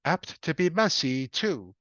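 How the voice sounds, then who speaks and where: A man's voice: on the high side, big pitch swings, takes it slowly, sharp tone, dry recording, pitched above the performer's own voice, exaggerated voice. Casting: man playing creepy, falsely kind lawnmower spirit, folksy drawl, dry dull recording. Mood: menacing kind. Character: sinister naked male lawnmower man, folksy nature spirit.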